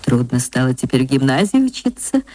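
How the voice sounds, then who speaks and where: A woman's voice: extremely low pitch, big pitch swings, brisk, warm tone, dry recording, pitched below the performer's own voice, full character voice. A woman reading a doting, fretful plump matron. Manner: chatty, fretful complaining. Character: doting plump middle-aged woman fussing over a schoolboy.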